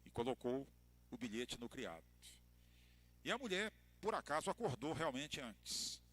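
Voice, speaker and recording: A man with a Brazilian Portuguese accent, a pastor giving a church lecture to couples, telling stories with expressive emphasis and light humor. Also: mid-range voice, measured pace.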